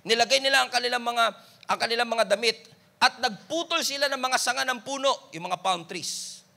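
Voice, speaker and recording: A male pastor with a Filipino accent, preaching a sermon that mixes Tagalog and English, asking the congregation for an amen and crying out pleas loudly. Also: very high voice, fairly quick, creaky.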